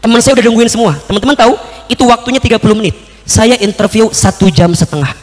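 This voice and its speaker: A man's voice: high-pitched, fast. A man with a Sundanese accent, preaching as an Islamic preacher in a playful storytelling sermon, acting out the dialogue. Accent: Sundanese-accented Indonesian. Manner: animated, acts out dialogue, playful. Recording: reverberant hall.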